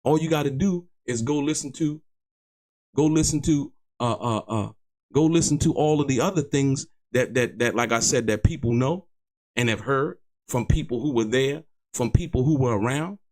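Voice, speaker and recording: A man hosting an online show, giving emphatic, indignant commentary in a halting, repetitive way, often repeating words as he argues his point. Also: mid-range voice, darkish tone. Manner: indignant, disputing. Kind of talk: opinionated commentary to viewers.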